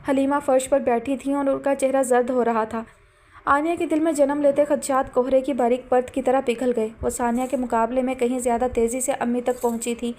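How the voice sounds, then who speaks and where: Woman narrator, high voice, dramatic audiobook reading. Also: level tone, darkish tone. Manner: dramatic storytelling. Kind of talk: scripted narration.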